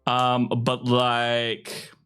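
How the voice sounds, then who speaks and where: A young man with a slightly hoarse throat, chatting casually on a live stream in a rambling, self-deprecating way. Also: medium pitch, monotone, extremely slow, fairly bright tone. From Australia.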